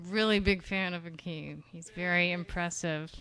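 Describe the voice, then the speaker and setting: A woman performing spoken-word poetry live at a reading venue on a stage mic, expressive and slowing down on key phrases. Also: lowish voice. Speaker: poet.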